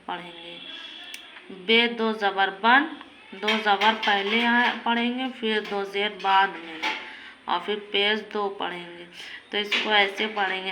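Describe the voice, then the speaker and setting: Slow, patient woman teacher drilling letter sounds, clear background hiss behind her. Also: mid-range voice. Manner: slow, patient, drawn-out recitation with repetition. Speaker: Quran reading teacher. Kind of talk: slow recited reading lesson.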